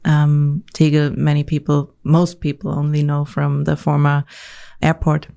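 A woman in her thirties, originally from Germany, talking thoughtfully as a guest in a studio interview, pausing often with fillers. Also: low-pitched, completely flat delivery, creaky, mellow. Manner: thoughtful, with frequent fillers and restarts. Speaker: guest, media company CEO. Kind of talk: reflective interview conversation. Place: podcast studio.

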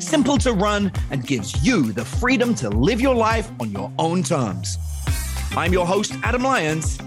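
A man's voice: sits high, wildly swooping pitch, measured pace, music in the background. A man hosting a podcast with an emphatic, showman-like way of talking. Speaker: podcast host. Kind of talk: upbeat scripted intro and casual interview.

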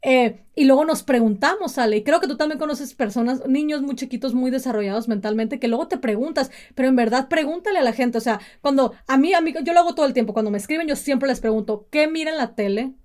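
A woman's voice: sits high, fast talker, few pauses, a little mellow. A woman, co-hosting a casual chat about parenting and acting out quoted parents in a mocking voice. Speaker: podcast co-host.

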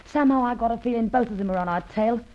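A woman's voice: a little high, quick pace, lightly acted. A woman playing a bossy, scornful female jewel thief in an old radio crime drama, talking in snappish, tough slang. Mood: wary, bossy. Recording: dull, muffled old radio recording.

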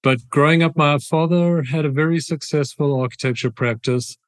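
A guest architect with a South African accent tells stories on an interview podcast in an easy, reflective way. His voice is a little high with fairly even intonation and a normal pace, captured in a dry recording during this casual interview.

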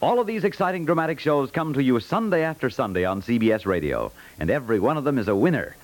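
A man's voice: medium pitch, very animated, fast. A man with an American accent announcing in a polished, punchy 1950s network radio promotional style. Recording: vintage 1950s radio broadcast.

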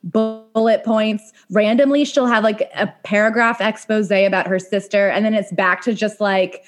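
A woman's voice: medium pitch, steady tone, normal speed, soft background music. A woman co-hosting a casual podcast chat, wry and reflective, often giggling. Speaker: podcast co-host.

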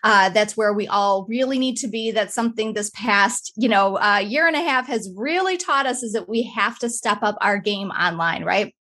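A woman's voice: medium pitch, moderate pace, hardly any pauses, bright, forceful tone. A woman with a nasal American Midwestern accent, chatting in a friendly way as an interview guest. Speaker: guest, marketing coach. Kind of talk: casual interview chat.

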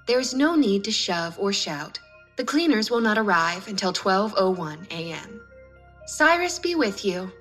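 An eerie female store announcer, voiced by a woman comes over the shop speakers in a calm, politely scripted tone. Her pitch sits in an ordinary middle range. Soft music plays faintly behind the announcement. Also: a little slow. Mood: calm, formal.

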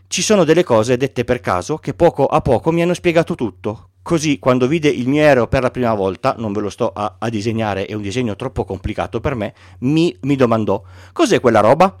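A man's voice: medium pitch, brisk, few pauses, a little mellow, no room sound, clean studio sound. A male podcast host reading a storybook aloud, with frequent stumbles and restarts.

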